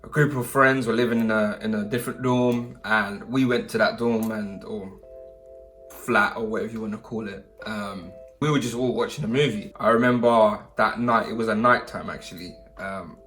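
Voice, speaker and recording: A young man, the host's husband, telling a story casually in a relaxed way with fillers. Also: fairly low pitch, moderate pace, soft background music. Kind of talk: casual couple chat.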